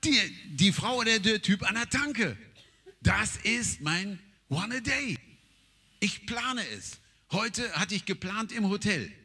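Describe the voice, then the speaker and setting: Lively evangelist man in a hall. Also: sits high, slow pace, breathy edge. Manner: animated storytelling, acts out dialogue, swings from hushed to loud. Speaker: evangelist preacher. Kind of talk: sermon. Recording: long hall reverb.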